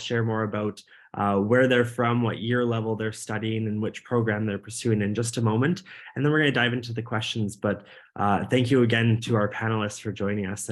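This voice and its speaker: A man hosting a university webinar, introducing the panel in an upbeat, well-prepared way. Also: on the low side. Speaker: webinar host. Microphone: video call.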